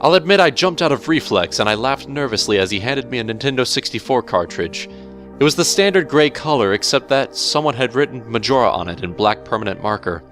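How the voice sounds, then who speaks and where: A man narrating a horror story in a measured, theatrical storytelling manner over music. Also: mid-range voice, expressive, fairly bright tone. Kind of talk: dramatic horror story reading. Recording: music bed under the voice.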